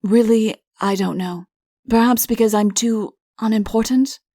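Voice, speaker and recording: A woman's voice: a little high, steady tone, a little slow, dark tone, no room sound, studio quality. A woman voicing a sensible, deferential man who attends a vain prince in a storybook tale, speaking politely and levelly.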